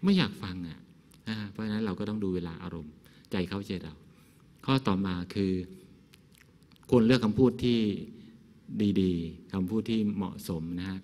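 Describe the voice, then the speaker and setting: A Buddhist monk from Thailand speaks in a lowish, easy voice, giving a conversational dhamma talk. He asks his listeners rhetorical questions and laughs softly now and then. A long reverb trails behind his words. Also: normal speed, long pauses. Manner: frequent soft laughs.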